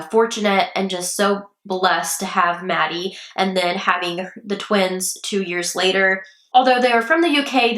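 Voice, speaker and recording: A woman's voice: medium pitch, fairly bright tone. Young woman, true crime podcast host, rambling casual chat, slightly strained voice, echoey room. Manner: chatty, rambling, with many ums and self-corrections. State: getting sick, voice a bit strained.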